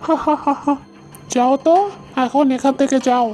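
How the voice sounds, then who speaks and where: A woman plays a greedy cartoon jeweller who cheats and scorns. The voice is fairly high but dark and soft-edged, with a haughty, dismissive manner over light music. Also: steady tone, moderate pace, lightly acted. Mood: scornful, mocking. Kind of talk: animated moral story dialogue.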